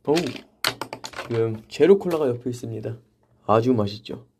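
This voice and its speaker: A young man hosting a casual livestream from a vocal practice room, reading viewer comments aloud and answering them in a relaxed, chatty way. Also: medium pitch, moderate pace, noisy background. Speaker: idol livestream host.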